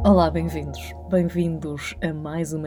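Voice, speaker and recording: At a fairly slow pace, a woman talks with a European Portuguese accent. Her pitch is very deep and low. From Portugal. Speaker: podcast host. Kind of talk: monologue.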